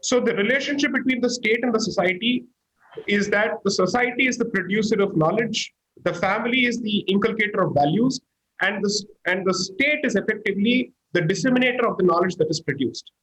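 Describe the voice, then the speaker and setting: A man's voice: high voice, fairly quick, fairly bright tone, poor audio. A man, laying out an argument step by step on a panel, in a structured, analytical way. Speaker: panel guest. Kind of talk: panel discussion.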